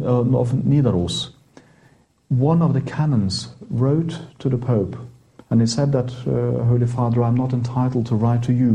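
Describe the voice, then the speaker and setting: Norwegian-accented priest, mellow voice. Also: male voice, medium pitch, poor audio. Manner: chatty, halting restarts, light laughter. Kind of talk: interview guest explaining history.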